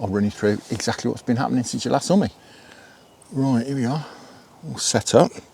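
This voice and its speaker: Noticeable background noise accompanies a man whose pitch moves in an ordinary way. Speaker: angling vlogger. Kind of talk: casual vlog narration. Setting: outdoors by a river. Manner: quiet, kept-down voice.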